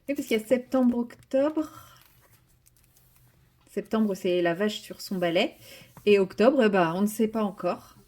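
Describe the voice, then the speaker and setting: A woman's voice: mid-range voice, slow, pauses often, warm tone. Brief: woman vlogger, casual rambling chat at home, lots of ums and restarts. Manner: chatty, rambling, many fillers and restarts.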